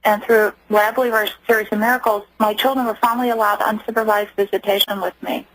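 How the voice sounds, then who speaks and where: A woman giving earnest personal testimony as a radio interview guest, halting at times. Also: medium pitch, level tone, fairly bright tone, rough recording. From United States. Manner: earnest, halting, acts out quoted voices.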